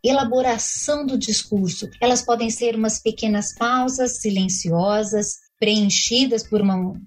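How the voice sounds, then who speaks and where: Husky-voiced woman explaining as an expert. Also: on the high side, fairly even intonation, unhurried. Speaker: speech therapist, guest expert. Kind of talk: explanatory panel discussion.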